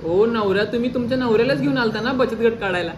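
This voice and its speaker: A vlogger from Solapur, Maharashtra, India chats casually and keeps playing a mock-earnest caller in a prank phone call. The voice is medium-pitched and fast, with lo-fi sound and clearly noisy ambient surroundings.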